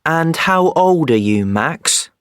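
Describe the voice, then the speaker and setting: Brief: low woman's voice with lively pitch, very slow deliberate textbook delivery, dry sound. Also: no room sound. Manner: slow, lilting, clearly articulated speech. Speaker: textbook audio interviewer. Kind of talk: scripted textbook dialogue.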